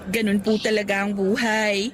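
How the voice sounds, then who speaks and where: A woman playing a sweet, homesick young worker in a radio drama, gentle, polite and earnest. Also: medium pitch, flat delivery, normal speed, a crowd in the background, lightly acted. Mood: gentle, resigned. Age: young adult. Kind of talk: Tagalog radio drama acting.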